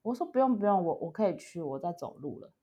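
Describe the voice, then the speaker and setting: A woman's voice: lowish voice, sing-song, fast talker, dark tone. A young woman co-hosting a casual podcast, telling a story animatedly and acting out what others said. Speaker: podcast co-host. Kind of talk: casual chat.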